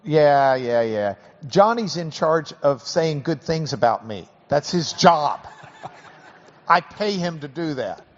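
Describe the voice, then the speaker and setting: A man with a Texan accent hosts a live interview before a class, folksy and joking as he slows things down to explain. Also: fairly high pitch, lively intonation. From Texas. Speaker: host. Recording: dull audio with long hall reverb.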